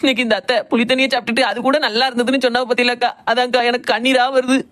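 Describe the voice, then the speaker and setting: A woman's voice: a little high, flat delivery, very fast, fairly bright tone, lightly acted. A woman voicing a young village daughter-in-law, pouring out a plaintive complaint. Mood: tearful. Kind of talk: cartoon voice acting.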